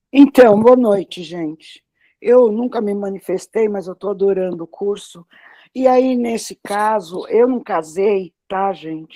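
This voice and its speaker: The voice has a dark, mellow tone and moves at a very slow pace, recorded dry and close with no echo against a quiet background. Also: woman. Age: 70s. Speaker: course participant, retired journalist. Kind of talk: personal testimony in online class.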